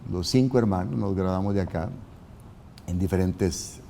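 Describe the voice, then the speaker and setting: A man in his seventies from Costa Rica speaks in a calm, measured, storytelling way. His voice is low and warm. A faint hum of room noise sits behind him. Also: creaky. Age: 70s. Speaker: guest. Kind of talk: interview answers.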